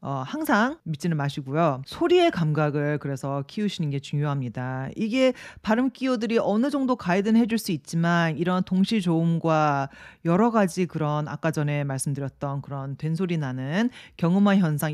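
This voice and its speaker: A woman teaching English pronunciation in on a video lesson. She repeats the English example words slowly and draws them out, and her voice trails off softly at the ends of her phrases. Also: fairly low pitch, no room sound, studio quality.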